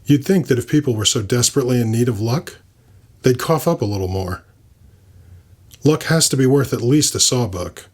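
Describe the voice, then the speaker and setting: A man's voice: mid-range voice, moderate pace, darkish tone. A man narrating scripted urban fantasy fiction in the first person, with a dry, wry delivery.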